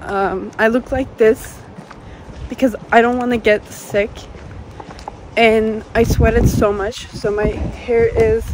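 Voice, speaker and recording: A woman's voice: a little high, noisy background. A young woman from Turkey with a Turkish accent, chatting casually to her phone camera in English and dropping in Turkish words, a bit self-deprecating. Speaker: vlogger. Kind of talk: casual vlog chat. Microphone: phone held in hand.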